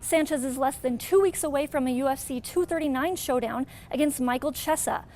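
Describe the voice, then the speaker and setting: A woman's voice: high-pitched, a little fast, a little mellow, slight background noise. A woman with an American accent reading a scripted sports newscast as the anchor.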